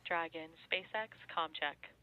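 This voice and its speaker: A woman in mission control giving steady, clipped procedural callouts over a crackly radio link. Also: deep voice, unhurried. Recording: muffled radio relay from far off.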